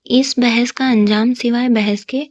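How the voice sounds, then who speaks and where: A cold, smug young husband voiced by a woman narrator speaks calmly and cuttingly, never raising his tone. The voice sits high and mellow. The audiobook recording is dry and dull. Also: no room sound, lightly acted. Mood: cool. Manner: calm, cutting, unbothered.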